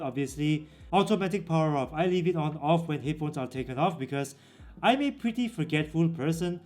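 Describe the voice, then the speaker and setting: A man's voice: fairly high pitch, darkish tone. A man who reviews tech gear, walking through product settings in a casual, direct way. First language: English. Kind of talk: product walkthrough.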